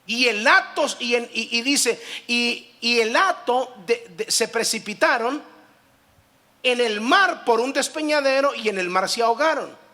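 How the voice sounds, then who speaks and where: A man's voice: very high-pitched, lively intonation, measured pace, sharp tone. A man preaching a sermon as pastor, emphatic, with repetitions and asides to the congregation.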